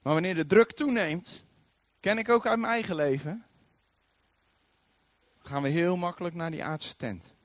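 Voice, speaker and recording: A man preaching a sermon, telling the story in an animated way and acting out the voices of the people he quotes. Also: high-pitched, unhurried, pauses often, no room sound.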